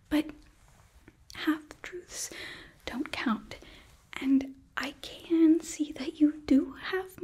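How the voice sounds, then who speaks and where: A young woman voicing a sweet, earnest demon princess in an ASMR roleplay, breathy and often whispering, with nervous, eager optimism. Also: sits high, a little mellow, exaggerated voice. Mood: gently coaxing. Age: young adult. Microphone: close microphone.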